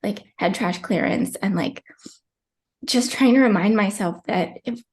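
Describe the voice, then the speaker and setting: A young woman in her twenties, speaking at medium pitch and a little slowly, tells her personal birth story as a podcast guest. She's chatty and emotional, full of fillers and lots of "like," and becomes tearful at times.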